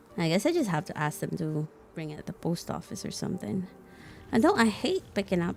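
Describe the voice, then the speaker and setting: With music in the background, a woman of medium pitch talks at a fairly quick pace with lively intonation. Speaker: streamer. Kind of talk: casual chat.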